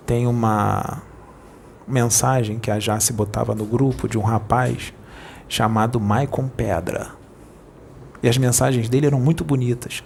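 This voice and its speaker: Gravelly-voiced playful Brazilian medium. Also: male voice, medium pitch, darkish tone, slight background noise. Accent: Brazilian Portuguese. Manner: playful, jokey, rushes his words. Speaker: spirit medium. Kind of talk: informal spiritual preaching.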